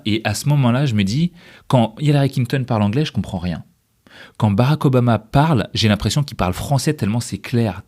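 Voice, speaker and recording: A man's voice: medium pitch, darkish tone. A man speaking conversationally as an interview guest, telling anecdotes and giving advice, often voicing the quotes.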